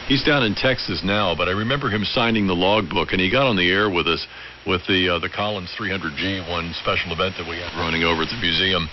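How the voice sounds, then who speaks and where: Low-voiced man on hissy AM radio. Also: quick pace, highs cut off. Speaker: amateur radio operator. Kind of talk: unscripted ham radio conversation. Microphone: radio transmitter audio heard over the air. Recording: hissy, band-limited AM radio transmission.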